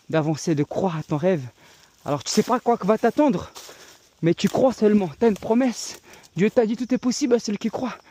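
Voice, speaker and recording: This time the man's voice is high-pitched and mellow. An evangelist vlogging on a handheld phone camera, he talks while walking and climbing a hillside trail outdoors, urging on his viewers as friends in a preaching manner.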